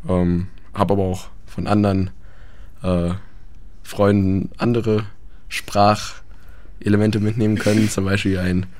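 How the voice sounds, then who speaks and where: A man's voice: on the low side, level tone, a little slow, a little mellow, no room sound. A young man chatting about life abroad, hesitant with many fillers. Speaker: guest. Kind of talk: casual radio chat.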